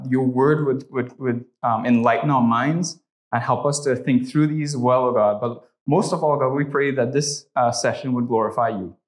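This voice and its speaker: Man with a Trinidadian accent teaching. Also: mid-range voice. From Trinidad and Tobago. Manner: conversational, frequent "uh" and "right?" tags. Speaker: church class teacher. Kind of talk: teaching a class with a spoken prayer.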